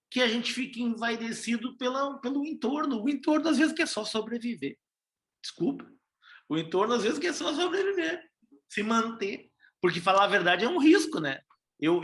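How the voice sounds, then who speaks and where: Lively, bright-voiced man teaching political marketing. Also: on the high side. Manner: chatty, lively, full of restarts and rhetorical questions. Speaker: political marketing specialist giving a training talk. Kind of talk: informal lecture to newly elected officials.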